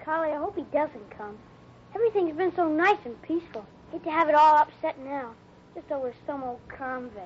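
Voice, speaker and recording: A performer playing an earnest, excitable young ranch boy in a 1950s radio drama. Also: high voice, a little fast, a little hiss or hum. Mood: worried. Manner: eager, wholesome exclamations. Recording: muffled old radio recording.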